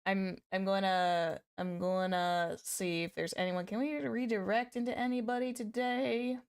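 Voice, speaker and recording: A woman streaming casually to her viewers, chatty and repeating herself, her voice slightly hoarse. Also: medium pitch, little pitch movement, unhurried. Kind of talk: casual livestream chat.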